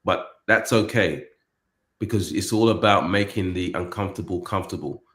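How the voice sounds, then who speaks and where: A man's voice: low-pitched, normal speed, a bit bright. A man hosting a casual chat, rambling with many restarts and repeated words. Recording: roomy echo.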